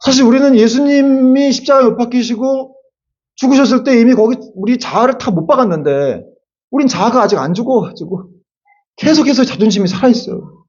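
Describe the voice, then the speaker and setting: A male pastor giving a lively Sunday sermon, acting out quotes and adding casual asides to the congregation. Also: very high-pitched, brisk, lo-fi sound. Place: church sanctuary.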